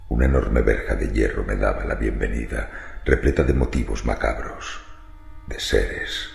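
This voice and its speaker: A man playing a macabre, brooding cemetery wanderer who confides morbid secrets in a theatrical horror radio monologue. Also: heavily acted. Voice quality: very deep, gravelly creaking voice. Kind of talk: dramatic first-person horror radio monologue. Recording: roomy reverberant voice over music. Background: faint music.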